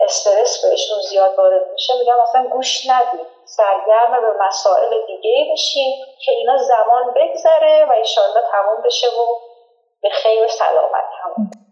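Room echo can be heard. The pace is moderate. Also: woman. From Tehran, Iran. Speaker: homemaker and mother. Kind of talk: interview.

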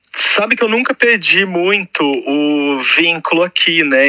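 A man with a high pitch, in a dry, close sound with no echo and noticeable background noise. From western São Paulo state, Brazil. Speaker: artist. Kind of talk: interview.

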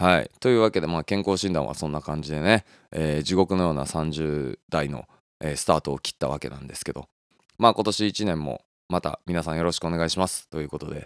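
This man's very deep, low voice moves at a fairly quick pace with ordinary pitch variation and big swings in loudness, recorded dry and close with no echo on a very clean, silent background. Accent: Kansai. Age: 30s. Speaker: band vocalist and guitarist hosting a podcast. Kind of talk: casual solo podcast talk. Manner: animated.

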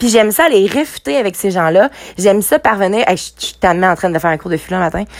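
Her intonation is lively and her pitch medium. The woman talks at a very fast pace. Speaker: podcaster. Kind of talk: casual monologue. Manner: animated.

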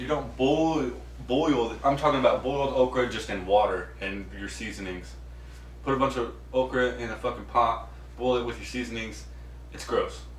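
A man at a moderate pace, with big swings in loudness and audible room echo. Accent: American. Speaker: podcast co-host. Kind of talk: casual chat.

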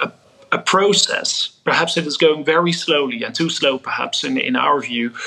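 With a Dutch accent, a man with a fairly high pitch and lively intonation speaks at a moderate pace over noticeable background noise. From Netherlands. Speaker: former finance ministry official. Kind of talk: interview. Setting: remote call. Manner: halting.

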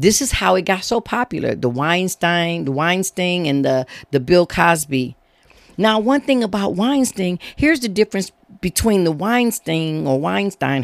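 A woman's fairly low voice at a moderate pace, full of very wide pitch swings, in a very clean recording with a silent background and a dry, close sound with no echo. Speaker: podcast host. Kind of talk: solo commentary.

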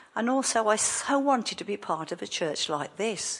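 Speaking with an English accent, a woman makes very wide pitch swings. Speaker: church congregation member. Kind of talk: personal testimony. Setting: church.

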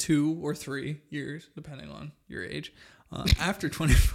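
At a fairly slow pace, a man talks in a fairly high pitch with ordinary pitch variation. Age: 20s. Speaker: podcast host. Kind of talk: casual chat.

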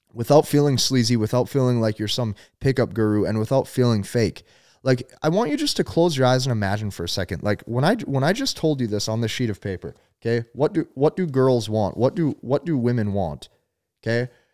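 A plain, everyday voice with lively intonation at a fairly quick pace, in a very clean recording with a silent background. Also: man, medium pitch for a man. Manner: direct, confident, persuasive.

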